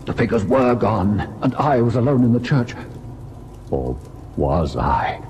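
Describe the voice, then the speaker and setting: A man's voice: medium pitch, sing-song, measured pace, darkish tone. An actor playing a devoted young husband who narrates his ghost encounter in theatrical, literary radio-drama style. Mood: mounting horror. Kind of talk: dramatic old-time radio first-person narration. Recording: noisy old radio drama recording.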